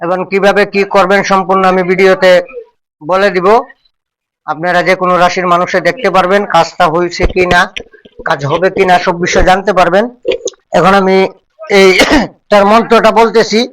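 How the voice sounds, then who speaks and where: A man's voice: sits high, level tone, brisk, pauses often, a bit bright, recorded from a distance, rough recording. A man, a folk healer, giving a step-by-step ritual demonstration and repeating each instruction over and over.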